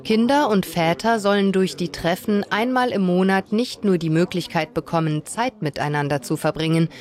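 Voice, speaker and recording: A woman reporter narrating a television news feature in a calm, descriptive voice-over. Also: fairly low pitch.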